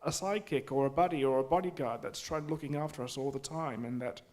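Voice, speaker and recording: A man speaking at a community forum, halting with many restarts and fillers. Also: mid-range voice, a little mellow. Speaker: forum audience member. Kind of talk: spontaneous public remarks. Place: community hall.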